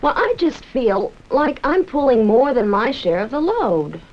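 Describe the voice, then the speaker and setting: A woman's voice: a little high, very animated, unhurried. An actress playing an aggrieved, complaining female office employee in a 1970s educational film. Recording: muffled 1970s film soundtrack.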